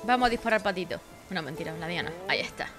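Casting note: sleepy woman gamer, talkative and foul-mouthed, dramatic in fights, game music clear underneath. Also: fairly low pitch, animated, rapid-fire. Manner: chatty, swears freely, dramatic cries for help during fights. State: tired, sleepy. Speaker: gameplay streamer. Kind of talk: casual gameplay commentary.

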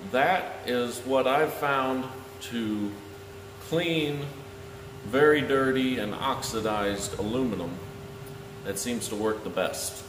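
A man in his thirties giving a measured, plain-spoken welding lesson to camera as the video's host, with pauses as he explains. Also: mid-range voice. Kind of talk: instructional talk to camera. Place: large metal-walled welding shop, indoors. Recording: echoey workshop with clear background noise.

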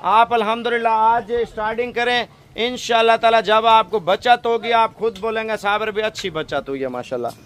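A young man from Pakistan, making a persuasive selling pitch to camera from an outdoor goat pen, filmed on a phone held at arm's length. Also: brisk, fairly bright tone. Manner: persuasive, salesy, heavy religious fillers. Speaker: goat farm seller.

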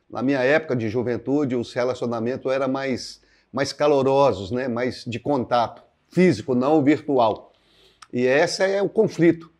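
A man in his sixties, a pastor from Minas Gerais, speaks in a middle-pitched voice. He talks slowly and reflectively, pausing to search for words and often adding little tag questions. He is close on a lapel mic in a quiet living room. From Minas Gerais, Brazil. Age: 60s. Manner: unhurried, searching for words, frequent "né" fillers, gestures with both hands. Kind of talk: reflective interview answers to camera. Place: indoors, living room with paintings. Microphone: clip-on lapel mic.

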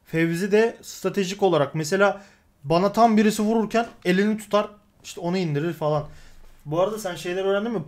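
A man hosting a casual chat, playful and teasing, pointing things out to his co-host. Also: high voice. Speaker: show host.

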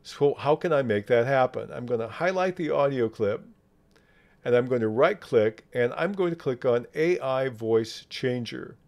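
Male software instructor, medium pitch, measured explanatory delivery for screen walkthroughs. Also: animated, gravelly. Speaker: software tutorial presenter. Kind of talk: step-by-step screen tutorial narration.

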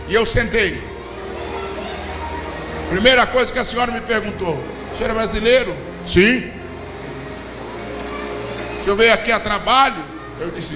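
A man in his forties with a Brazilian Portuguese accent, preaching a sermon on a handheld mic and telling stories with humor. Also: high voice. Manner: preaching with storytelling and humor, hand-held mic, animated gestures. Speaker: pastor. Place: large church hall with a packed congregation. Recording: echoey hall with crowd hum.

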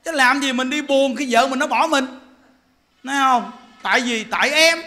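A man's voice: extremely high pitch, normal speed, pushed and bright. A man in his forties with a Southern Vietnamese accent, a monk giving a humorous Buddhist sermon, chatty, laughing often and firing rhetorical questions at his listeners. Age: 40s. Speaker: monk giving a Dharma talk.

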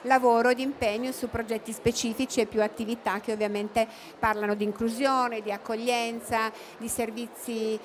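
A woman's voice: fairly high pitch, flat delivery, normal speed, few pauses, slight background noise. A middle-aged woman answering interview questions at an expo booth into a handheld mic, with many fillers and restarts. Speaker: interviewee, cooperative representative. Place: expo booth studio, indoors.

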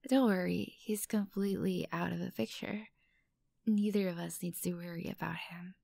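A woman's voice: lowish voice, steady tone, dark tone, no echo. A woman playing an obsessive, unstable young stalker girlfriend in an intimate ASMR roleplay, sweet and menacing by turns. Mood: nervous coaxing. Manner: breathy whispers, halting, swinging from coaxing to outbursts. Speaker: voice actor in audio roleplay.

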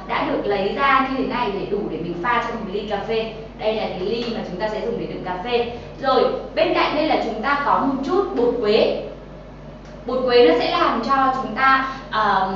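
A woman's voice: fairly high pitch, fairly bright tone, very echoey, recorded from a distance, highs cut off, a little hiss or hum. A young Vietnamese woman presenting a healthy-drink tutorial in a kitchen studio, chatty and full of filler sounds, talking straight to viewers. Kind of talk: cooking and nutrition tutorial. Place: bright kitchen studio set, indoors.

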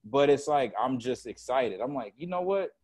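A man's voice: mid-range voice, moderate pace. A man in his thirties, a guest musician, chatting animatedly on a video call through an earbud headset from a room at home. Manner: animated, scats drum rhythms and freestyles. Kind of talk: casual video-call chat. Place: home room with jazz tapestry and string lights.

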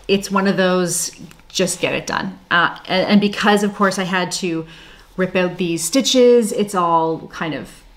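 A woman's voice: on the low side, fairly bright tone. A woman in her thirties or forties, a mother and sewing vlogger, chatting casually and self-deprecatingly as she shows her makes, laughing often. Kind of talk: casual show-and-tell chat.

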